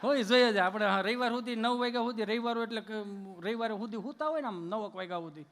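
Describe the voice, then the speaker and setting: A man doing animated folk stage comedy, acting out voices and often addressing the audience as "saheb". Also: sits high, fast, a little hiss or hum. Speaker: stand-up comedian. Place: live stage show before an audience.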